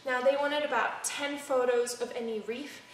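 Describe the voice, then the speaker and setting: A woman's voice: sits high, steady tone, moderate pace. Woman vlogger, roomy distant narration. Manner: plain, explanatory storytelling. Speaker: ocean vlogger. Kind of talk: casual vlog narration. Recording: roomy sound from far off.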